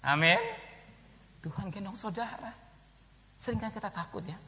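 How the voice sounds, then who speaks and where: An older male pastor giving an emphatic sermon, swinging between loud exclamations and quiet asides. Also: high voice, moderate pace. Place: church hall. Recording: long hall reverb.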